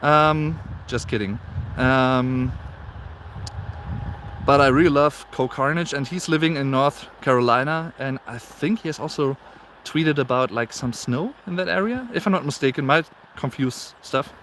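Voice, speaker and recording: A man's voice: medium pitch, a little slow, fairly bright tone, slight background noise. Chatty German man streaming on a walk. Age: 20s. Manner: chatty, reads viewer comments aloud, frequent fillers and repeats. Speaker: live streamer. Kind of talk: casual live-stream chat. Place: outdoors on a snowy walk.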